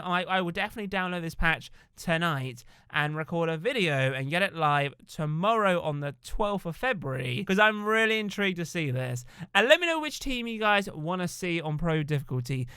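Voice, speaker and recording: A young man gives a casual gaming video update in a high, very clean and crisp voice. He keeps it upbeat and chatty, talking straight to his viewers, and the sound is dry and close with no room around it. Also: sharp tone, no room sound. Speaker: gaming YouTuber. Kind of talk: casual video-game news talk.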